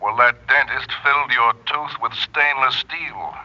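A man playing a spy handler calling by telephone in a 1960s radio drama, hushed and urgent. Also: medium pitch, unhurried. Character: urgent male spy contact on phone. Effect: telephone filter. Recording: dull old radio broadcast.

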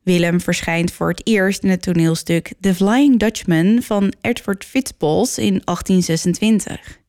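A woman narrating a legend as a storyteller, reading in a measured, dramatic way. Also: on the low side, darkish tone, no room sound. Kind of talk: scripted narration.

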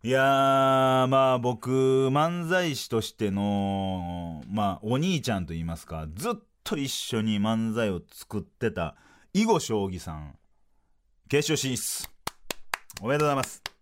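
A man with a Kansai accent, hosting a podcast and telling a story in a casual, animated way. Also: measured pace. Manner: animated, sing-song delivery with swooping pitch. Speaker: podcast host, comedian.

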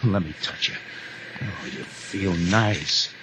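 An actor playing a greedy, mocking American gangster killer, menacing, in a vintage radio crime drama. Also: male voice, low-pitched, animated, takes it slowly. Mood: gloating. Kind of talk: 1950s radio drama acting. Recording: noisy vintage 1950s radio recording.

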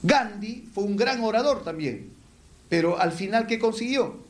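A man teaches public speaking to a live audience in an echoey lecture hall. His voice is high-pitched and animated but unhurried, and he poses rhetorical questions, then answers them with lists.

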